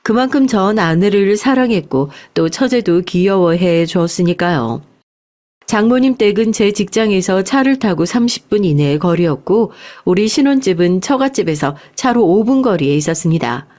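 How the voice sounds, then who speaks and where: A woman's voice: medium pitch, animated, normal speed, darkish tone. A woman reading a scripted first-person life story aloud as a narrator.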